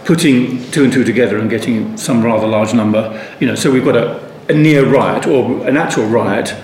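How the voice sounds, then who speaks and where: A man with a darkish, medium-pitched voice speaks at a moderate pace while giving an unscripted Bible study. This Bible teacher rambles reflectively, restarting sentences and adding asides, in an echoey room with faint ambient noise.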